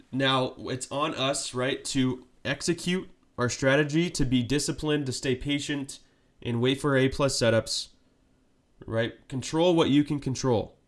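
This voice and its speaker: A man with a cold and a congested voice, giving live market commentary on his stream and checking in with a frequent "right?". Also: medium pitch. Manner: steady explanatory, frequent "right?" check-ins.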